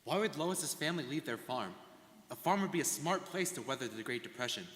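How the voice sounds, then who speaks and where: A man's voice: on the high side, animated, fairly quick, a bit bright. A young man, a student performer, giving an earnest, rehearsed stage narration of life stories. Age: young adult. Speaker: student performer in a dramatic reading. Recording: echoey hall, live stage reading.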